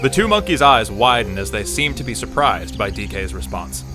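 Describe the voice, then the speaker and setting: A man's voice: fairly low pitch, big pitch swings, moderate pace, music in the background. A man delivering scripted audio drama narration as the narrator, with wry asides.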